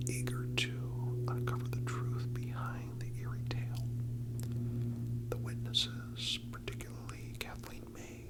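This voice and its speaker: A medium-pitched narrator whispers breathily from start to finish, reading a scripted ASMR story with measured, deliberate delivery. The recording is of low quality.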